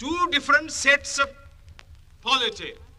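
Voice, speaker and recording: A man with an extremely high pitch projects a raised voice at a very slow pace. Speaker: constitutional leader and assembly member. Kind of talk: formal political speech in a legislative assembly. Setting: old archival recording, 1946.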